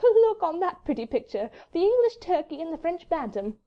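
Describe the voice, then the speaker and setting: Woman playing a high, merry, teasing society lady. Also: very animated, moderate pace, dull audio. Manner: light, gay, musical, mocking. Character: merry, teasing, witty English baronet's wife.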